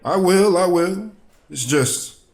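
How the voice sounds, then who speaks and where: An actor playing a stubborn, frustrated police officer with a gruff way of talking in an audio drama. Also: male voice, high-pitched, lively intonation, slow, darkish tone, heavily acted. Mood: weary, wry. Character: stubborn, frustrated male police officer, protective of troubled kids. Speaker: police detective.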